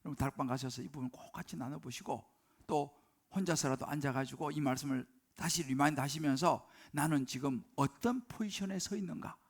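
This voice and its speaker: Male pastor, live sermon in a church. High voice with gravel, emphatic, keeps questioning the pews. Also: brisk. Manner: emphatic, rhetorical questions to congregation. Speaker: senior pastor. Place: church sanctuary during service.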